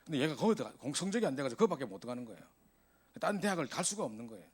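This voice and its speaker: A man preaching a sermon to a youth service, telling stories in an animated way. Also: medium pitch, rapid-fire, breathy edge. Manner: animated storytelling, voice rising in exasperation.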